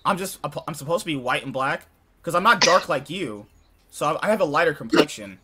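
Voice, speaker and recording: A man's voice: on the high side, lively intonation, brisk, crowd noise. A man in his twenties hosting a podcast, joking crudely and laughing often in casual chat. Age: 20s. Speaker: podcast host.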